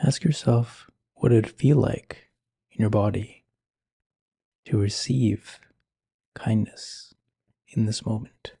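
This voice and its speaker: A man speaking slowly and gently with long pauses, guiding a meditation in a soft, breathy voice. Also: lowish voice, fairly even intonation, no room sound. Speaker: meditation guide. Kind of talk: guided meditation.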